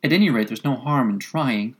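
A woman's voice: rumbling low, lively intonation, fairly quick, darkish tone. A woman voicing a polite, chatty, curious young girl from a storybook, with an eager, earnest, apologetic manner. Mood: wondering.

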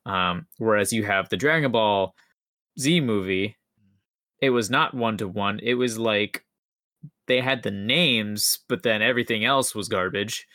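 A man's voice: on the low side, unhurried, bright, forceful tone, dry recording, clean studio sound. A young man podcast co-host chatting casually in an enthusiastic, rambling, slangy way. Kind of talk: casual chat.

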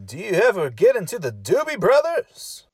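A cranky, goofy horror-show host, high and very swoopy in pitch, with a rough rasp. He boasts and teases theatrically, missing the point in comic banter. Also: wildly swooping pitch, moderate pace, no echo, exaggerated voice. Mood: clueless, boastful. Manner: theatrical, teasing, clueless wisecracking. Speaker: podcast host character.

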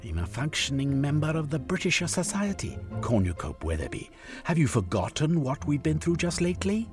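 A man reader voicing a pompous, self-important middle-aged gentleman who gives blustering, indignant speeches. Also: a little high, very animated, normal speed, over music, voice pushed up.

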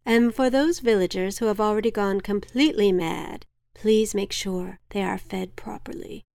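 A woman doing a calm village elder. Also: medium pitch, gravelly, dry recording, studio quality, natural voice. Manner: measured, soothing address.

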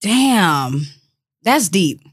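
A woman's voice: medium pitch, very animated, drawn-out words, slightly rough, dry recording, studio quality. A woman with an African American accent chatting casually as a podcast co-host, speaking in a blunt, slangy way. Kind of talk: casual chat.

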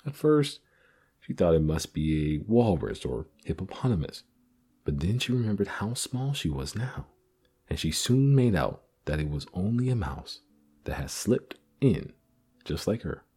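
A man narrating a storybook in a gentle, measured way. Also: sits low, sing-song, slightly rough, soft background music. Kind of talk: storybook reading.

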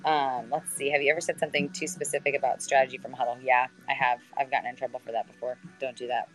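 A woman in her thirties with a naturally deep voice, a sideline reporter chatting on a video call, sprinkling her answers with ums and restarts. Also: level tone, fast talker, soft background music, poor audio. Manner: conversational, lots of fillers and restarts. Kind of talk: answering student questions on a call.

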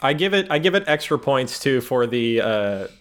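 A young man co-hosting a casual comedy podcast with relaxed, laid-back commentary. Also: mid-range voice, moderate pace, clean tone. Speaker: podcast co-host.

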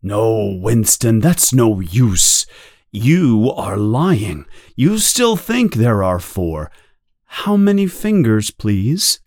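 A man voicing a calm, patient male interrogator who speaks softly and slowly, with quiet menace. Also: on the low side, no room sound, clean studio sound, full character voice. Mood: calm, probing. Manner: soft, slow and controlled. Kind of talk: audiobook character voice.

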